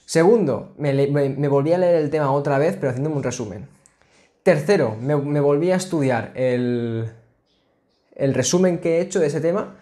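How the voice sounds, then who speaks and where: A man in his twenties talking casually to his webcam from a small home office, chatty and full of restarts. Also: fairly high pitch. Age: 20s. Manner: chatty, restarts and filler sounds, animated hand gestures. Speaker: student vlogger. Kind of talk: casual explainer vlog. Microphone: laptop webcam, framed at a desk.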